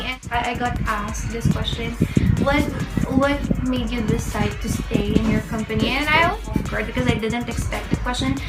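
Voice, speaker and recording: A woman with a Filipino accent chatting casually as a recruiter giving interview advice, often repeating phrases to stress a point. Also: on the high side. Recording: roomy echo, loud music behind. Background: loud background music.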